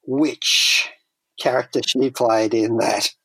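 Male pop culture radio presenter, medium pitch, whimsical and wordy, wry asides, very dry studio. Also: steady tone, slow pace, bright, forceful tone, slightly rough, no room sound, rough recording. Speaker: radio show host.

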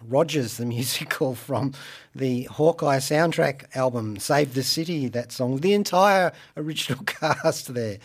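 A man presents chatty radio commentary in a medium-pitched voice. His delivery is wry and playful, with deliberate phrasing and little theatrical asides. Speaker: radio show host and reviewer. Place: radio studio.

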